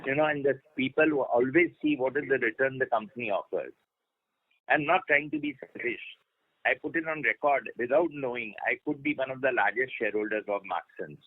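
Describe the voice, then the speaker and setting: Over a narrow, tinny phone line, an Indian-accented man with a mid-range voice and lively intonation talks fairly quickly as a shareholder on an earnings call. He asks his questions informally, insistently and repetitively pressing his point.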